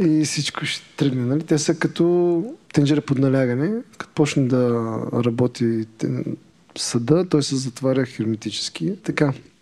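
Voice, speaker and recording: Against noticeable background noise, a man speaks at a medium pitch. His pace is fairly slow, with ordinary pitch variation. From Bulgaria, Varna. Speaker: pizza chef and restaurateur. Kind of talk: casual interview.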